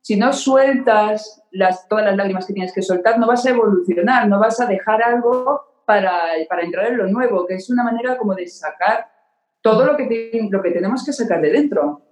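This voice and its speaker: A woman's voice: medium pitch, normal speed, a little mellow. Open-hearted woman, roomy sound. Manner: open, emotional, repeats words for emphasis. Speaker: podcast guest. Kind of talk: candid conversation.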